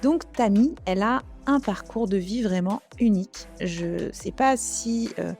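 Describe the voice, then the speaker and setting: French woman, true crime host, chatty storyteller, mellow voice, faint music behind. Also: medium pitch, measured pace. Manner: chatty, conversational, with asides. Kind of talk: casual storytelling narration.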